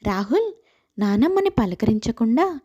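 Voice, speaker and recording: High-pitched mellow woman storyteller. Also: big pitch swings, a little slow, lo-fi sound. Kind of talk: scripted narration of moral story.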